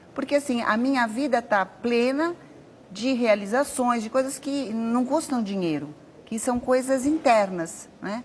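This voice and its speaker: A woman with a high pitch and lively intonation takes a fairly slow pace. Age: 60s. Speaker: anthropologist and educator, book author. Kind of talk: TV interview. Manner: hesitant, with repetitions.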